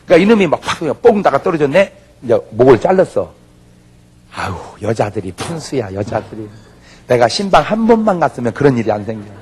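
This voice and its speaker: Funny pastor man in his 60s, raspy voice, acts out every character, shouts now and then. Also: mid-range voice. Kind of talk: humorous revival sermon.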